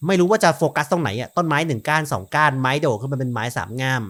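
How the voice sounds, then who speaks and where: A man's voice: medium pitch, animated, fast, fairly bright tone. A man hosting a gaming channel, chatting straight to his viewers in casual commentary as he plays a horror game. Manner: chatty, talks straight to viewers while playing.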